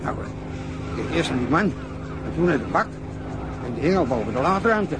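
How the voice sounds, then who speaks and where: An actor playing a gruff, irritable dredging-boat worker in a radio drama, blunt and agitated, with engine noise behind. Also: male voice, a little high, sing-song, normal speed.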